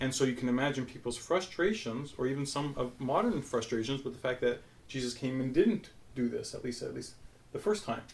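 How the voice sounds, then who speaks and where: A man's voice sits at a medium pitch and is somewhat breathy. He talks fairly quickly, with ordinary pitch variation. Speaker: audience member. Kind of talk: Q&A discussion.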